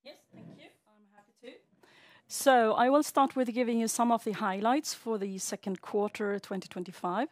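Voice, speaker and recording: A woman's voice: on the high side, fairly even intonation, moderate pace, pauses often, no echo. A woman speaking as a chief financial officer, presenting figures on an earnings call.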